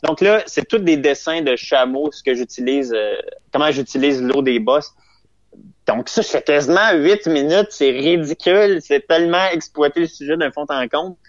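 This is a young man with a Québécois French accent, a comedian rambling through a casual interview with plenty of fillers, restarts, and self-amusement. His pitch sits fairly high and he talks at normal speed. There's no echo, but the sound is slightly dull and lo-fi.

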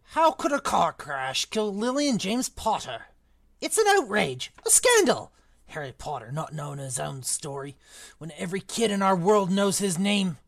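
A man playing a big gruff, emotional giant in an audiobook, with rustic colloquial speech and dropped consonants. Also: fairly high pitch, level tone, moderate pace, no echo. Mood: outraged. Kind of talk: audiobook character acting.

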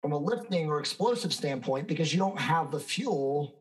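A man's voice: on the high side, animated, normal speed, rough recording. A man in his fifties, a fitness expert guest answering interview questions in an emphatic, self-assured, lecturing way. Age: 50s.

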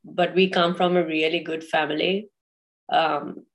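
A woman from Sri Lanka speaks as a guest on a podcast. Her voice sits low for a woman and barely moves in pitch. She hesitates often, filling gaps with ums and restarting her sentences. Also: flat delivery, unhurried, low-quality recording. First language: English. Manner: hesitant, many fillers and restarts. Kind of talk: casual interview talk.

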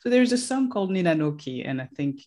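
A middle-aged woman with a Burundian accent in a casual podcast chat, animated and halting, with frequent exclamations. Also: on the low side.

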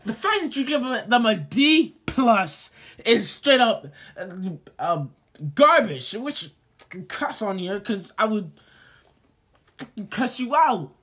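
A man's voice: very high-pitched, very animated, slow pace, bright, forceful tone, breathy edge. A man arguing in a heated sports debate, stammering and repeating himself, saying he is losing his voice.

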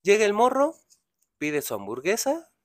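A young man with a Mexican Spanish accent tells a story in casual chat, full of slang and swearing, acting out the characters. His voice is high with wildly swooping pitch, at normal speed, in clean studio sound with no room sound.

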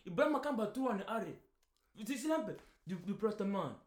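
A young man chatting on a podcast, teasing and playful, with a high voice that swings up and down a lot. He sounds like he is in an echoey room. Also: expressive. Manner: playful and teasing, slips into mimicry. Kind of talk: casual chat.

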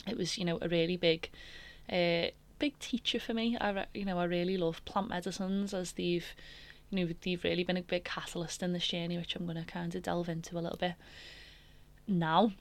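Low-voiced woman sharing her story, candid. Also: little pitch movement, fairly quick. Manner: emotional, candid, rambling with many fillers. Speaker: podcast host. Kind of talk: personal storytelling podcast.

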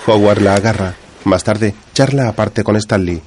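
Low-voiced male scene narrator. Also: moderate pace, darkish tone, slight background noise. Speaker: audio description narrator.

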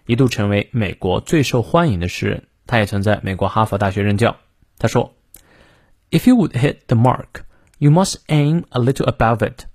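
Male teacher-host, mid pitch, patient and clear, models pronunciation, dry booth. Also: darkish tone, no room sound. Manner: explains clearly, models words slowly and repeats them. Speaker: English teacher and podcast host. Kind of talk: daily English pronunciation lesson.

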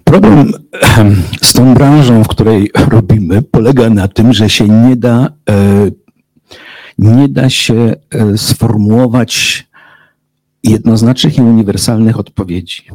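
A man's voice: fairly low pitch, unhurried, darkish tone, no echo, rough recording. A man who works as a literary translator, answering interview questions in a hesitant, thoughtful way, full of fillers and restarts.

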